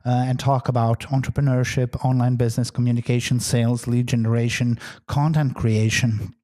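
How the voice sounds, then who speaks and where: Mellow-voiced Serbian-accented man hosting a podcast. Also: medium pitch, little pitch movement, moderate pace. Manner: chatty, loose, many fillers and restarts. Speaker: podcast host. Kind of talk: casual solo podcast talk.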